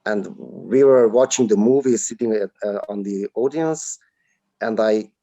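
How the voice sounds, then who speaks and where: A man, a native Hungarian speaker and actor, answering slowly in a webinar interview over a video call, with many drawn-out fillers. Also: on the low side, dark tone, no room sound. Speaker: film actor, guest.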